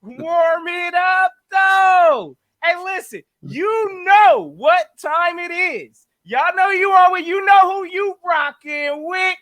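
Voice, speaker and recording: Very high, bright, shouting hype man. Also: slow, few pauses, dry recording. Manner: loud, shouting hype calls. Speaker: podcast co-host. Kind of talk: hype show intro.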